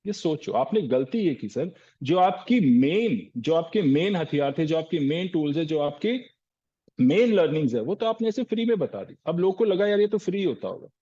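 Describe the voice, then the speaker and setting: Male sales trainer at a live session: quizzes his listeners and answers himself, calls them "sir", low-fidelity recording. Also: expressive, moderate pace, dark tone, lo-fi sound. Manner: asks rhetorical questions and answers them, often says "sir".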